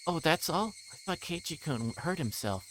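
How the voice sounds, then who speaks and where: Man putting on a lilting, higher-pitched teenage girl. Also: very animated, moderate pace, background noise. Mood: gentle concern. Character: cheerful, gentle, curious teenage girl in visual novel.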